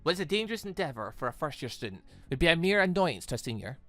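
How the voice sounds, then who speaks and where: A gaming host voicing a calm, knowing headmaster from a visual novel, speaking in a measured, philosophical way. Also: mid-range voice, dry recording, faint music behind.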